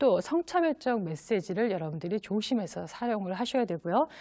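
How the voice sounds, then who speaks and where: A woman with a plain, everyday voice speaks at a moderate pace with lively intonation. The recording is very clean, with a silent background and a dry, close sound with no echo. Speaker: lecturer. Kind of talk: lecture.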